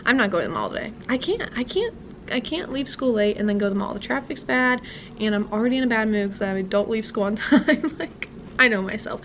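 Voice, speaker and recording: A woman's voice: a little high, lively intonation, fairly quick, dull audio, slight background noise. A young woman, a music teacher, chatting casually and rambling with laughs as she vlogs from her car. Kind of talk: casual vlog chat.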